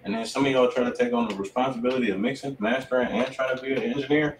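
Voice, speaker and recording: A man's voice: medium pitch, steady tone, rapid-fire, crowd noise. A man with an American accent co-hosting a livestream in casual, slangy talk. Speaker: co-host. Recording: echoey room, distant mic, faint noise.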